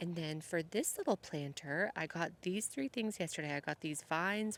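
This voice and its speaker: A soft-spoken woman talks at a moderate pace in a fairly low pitch with ordinary pitch variation. The sound is dry and close, with no echo. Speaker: vlogger. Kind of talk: casual vlog talk. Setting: outdoors.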